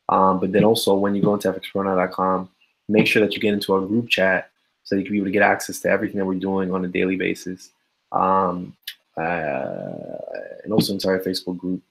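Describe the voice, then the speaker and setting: A man's voice: sits low, rough recording. A man giving a casual live-stream forex chart analysis, sleepy and yawning, talking loosely with many fillers. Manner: casual, filler-heavy, addresses viewers as guys. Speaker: forex trading educator.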